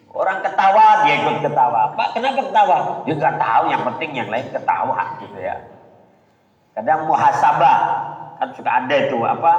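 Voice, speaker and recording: A middle-aged man, giving an informal religious lecture in a chatty way, often calling listeners "Pak" and acting out quoted dialogue. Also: on the high side. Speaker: preacher. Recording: echoey hall, dull lo-fi sound.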